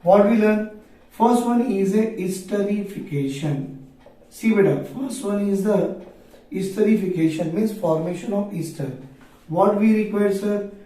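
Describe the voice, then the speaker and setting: High-voiced South Asian man teaching, very echoey. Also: a little slow, warm tone. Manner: asks questions and answers them himself; repeats phrases for emphasis, addresses students affectionately. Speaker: chemistry teacher. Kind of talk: classroom lecture for a video lesson. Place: echoey room, recorded away from the microphone. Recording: very echoey room, distant microphone.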